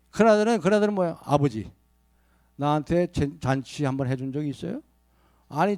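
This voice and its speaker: A male pastor delivers a Sunday sermon in a church, his voice fairly high but dark and mellow. He preaches with animation, repeating key phrases and asking the congregation questions. The recording is dry, with little room sound. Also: no room sound. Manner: leads congregational Bible reading. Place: church sanctuary.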